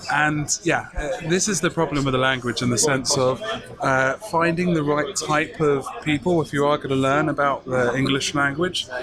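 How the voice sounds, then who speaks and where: A man with a London accent speaks at a moderate pace in a fairly high pitch, his intonation fairly even and his loudness very even, with noticeable background noise behind him. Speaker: software engineer. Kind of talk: casual chat.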